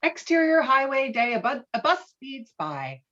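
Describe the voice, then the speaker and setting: A woman's voice: high-pitched, sing-song, moderate pace, a bit bright, muffled recording. A woman reading screenplay stage directions as scripted narration, on video-call audio.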